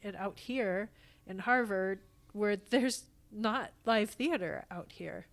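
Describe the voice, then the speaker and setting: American woman, middle-aged, medium pitch, casual conversational delivery, podcast guest. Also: slow pace. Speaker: podcast guest, theatre actor and company founder.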